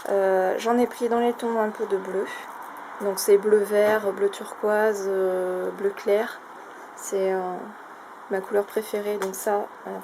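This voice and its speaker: A woman casually showing a craft shopping haul, talking in a chatty, hesitant way with many fillers. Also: medium pitch. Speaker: craft vlogger. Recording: noisy home recording.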